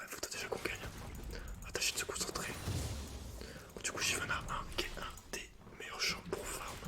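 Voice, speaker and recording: Whispering man, casual gaming ASMR. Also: pushed and bright. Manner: casual, slangy, swearing. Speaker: host, gaming streamer.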